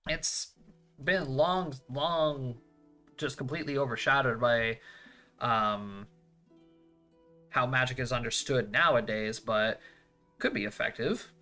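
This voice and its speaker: A man's voice: medium pitch, unhurried, pauses often, bright, forceful tone, soft background music. A man narrating a tabletop role-playing game as game master, casual and full of fillers and restarts as he thinks aloud.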